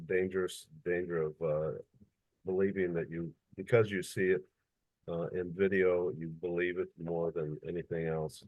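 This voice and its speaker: A man from Illinois on a video call, speaking haltingly with many stammered restarts and "uh"s. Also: low-pitched, no room sound, phone-quality sound. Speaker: workshop participant, precinct committeeman.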